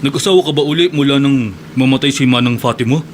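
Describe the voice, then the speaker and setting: A man's voice: mid-range voice, fast talker, slight background noise, close to an everyday voice. A man playing a polite, respectful young Muslim husband in a radio drama.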